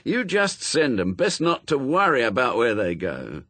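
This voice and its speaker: A man's voice: medium pitch, wildly swooping pitch, moderate pace, a bit bright, dry recording. A man voicing a cool, worldly demon with an offhand, wry delivery in an audiobook.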